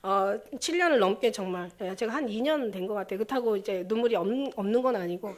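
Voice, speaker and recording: A woman pastor preaching a sermon in an emotional, halting way, with many restarts. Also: medium pitch.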